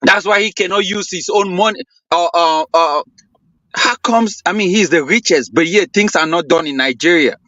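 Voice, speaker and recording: A man's voice: high-pitched, normal speed, sharp tone, no room sound, muffled recording. A man from Cameroon, a guest in a heated debate, deflecting questions defensively. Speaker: panel guest.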